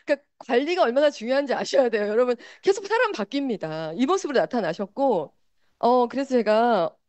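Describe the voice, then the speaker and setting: A woman giving a motivational sales seminar talk, animated and constantly turning to the audience with rhetorical questions. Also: fairly high pitch, no echo, muffled recording. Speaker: business seminar presenter.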